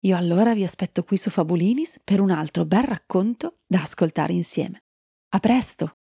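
A woman tells a children's fairy tale in a calm, steady storybook manner. Her voice is mellow and husky, with noticeable gravel. The sound is close and dry. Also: lowish voice, moderate pace, no echo. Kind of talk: storybook narration.

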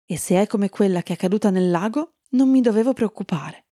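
A woman voicing a gentle, eager young female unicorn in a children's story, speaking sweetly. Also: mid-range voice, expressive, a little fast, dry recording, studio quality, natural voice.

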